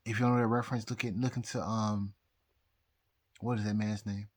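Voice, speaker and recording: A very drunk man rambling casually to viewers, halting and repeating himself as he loses his thread. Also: fairly low pitch, flat delivery. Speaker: amateur astrologer vlogger.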